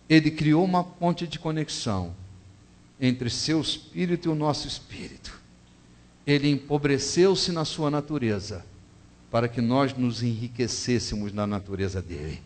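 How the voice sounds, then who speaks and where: A man with a Brazilian accent, a bishop preaching a sermon, who swings from hushed, confiding tones to loud exhortation. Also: mid-range voice. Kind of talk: sermon with a personal story. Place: church.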